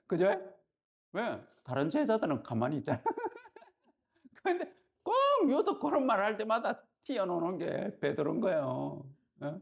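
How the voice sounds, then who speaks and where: A male pastor preaching a sermon as lively storytelling, constantly checking in with the congregation. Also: sits high, measured pace, vocal fry.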